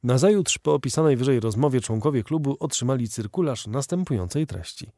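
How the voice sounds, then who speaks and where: A man narrating an audiobook novel in a steady, expressive reading style. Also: medium pitch, brisk, no room sound, clean studio sound. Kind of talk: scripted narration.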